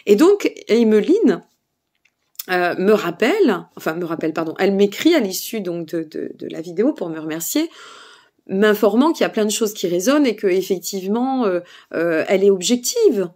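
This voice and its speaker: A woman's voice: medium pitch, big pitch swings, normal speed, a little mellow. A tired woman with a Burgundian French accent, giving spiritual guidance advice to camera, hesitant with many fillers and checking in with her listeners. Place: seated indoors.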